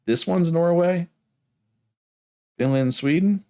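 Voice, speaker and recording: A man's voice: a little high, slow pace, warm tone, clean tone. A man with a Prince Edward Island Canadian accent chatting casually to viewers on a game livestream in a rambling way. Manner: rambling, often checks with "right?".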